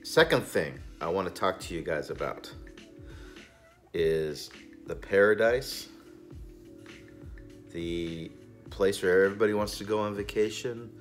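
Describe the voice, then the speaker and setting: A man's voice: deep voice, measured pace, long pauses, soft background music. A man in his forties hosting a cigar video channel, talking in an emphatic, indignant casual rant from a small room full of boxes. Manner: emphatic, indignant, gestures broadly with hands. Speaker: cigar review channel host. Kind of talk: opinionated casual vlog rant. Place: small storage room stacked with boxes, indoors.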